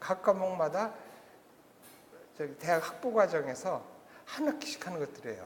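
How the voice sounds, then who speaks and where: A man's voice with audible room echo. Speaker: instructor for meteorology exam prep. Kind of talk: lecture. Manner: casual, hesitant with fillers.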